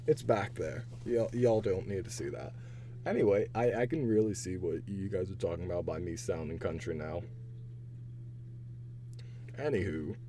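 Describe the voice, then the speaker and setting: Young male streamer, voice half gone and raspy, chatty and rambling, soft low tone. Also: a little hiss or hum. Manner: chatty, rambling, laughs to himself. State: hoarse, voice partly gone. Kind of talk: casual chat while taking online quizzes.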